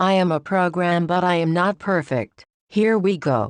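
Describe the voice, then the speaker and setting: Against a quiet background, a put-on robotic character voice at a middle pitch speaks at a moderate pace in a calm, deadpan tone. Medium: audio drama. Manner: calm, measured, deadpan.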